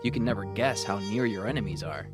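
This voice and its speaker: A man's voice: on the low side, quick pace, natural voice. A man acting a world-weary, lovelorn private investigator, giving a confiding noir monologue in an audio drama trailer. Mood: brooding. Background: guitar music.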